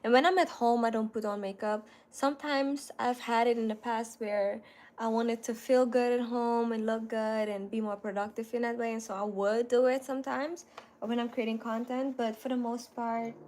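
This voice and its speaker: A woman in her thirties talks casually to her viewers. Her voice sits a little higher than most women's. She keeps a loose, chatty flow, full of "like" and "you know". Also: steady tone, normal speed, darkish tone. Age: 30s. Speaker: content creator. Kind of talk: casual livestream chat answering viewers.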